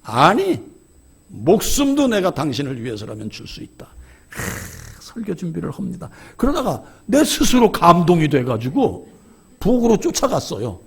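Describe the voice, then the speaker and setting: A man preaching a sermon as pastor. He tells candid stories about himself and swings between hushed asides and shouted emphasis. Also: a little high, wildly swooping pitch, moderate pace, vocal fry, slightly rough. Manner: candid, self-deprecating storytelling. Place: church.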